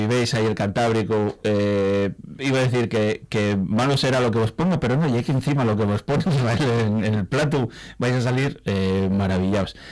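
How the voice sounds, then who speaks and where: Man hosting, jokey and chatty. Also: mid-range voice. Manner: warm, jokey, enthusiastic praise. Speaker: radio host. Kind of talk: casual interview talk.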